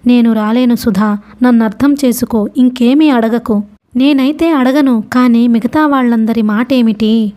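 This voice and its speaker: A woman's voice: fairly high pitch, measured pace, mellow, lightly acted. A woman reading the part of a grief-stricken father who pleads and falters. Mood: pleading.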